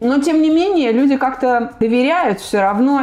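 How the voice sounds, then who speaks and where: Amid noticeable background noise, a woman talks at a high pitch and moderate pace with lively intonation. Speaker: podcast host. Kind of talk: casual interview.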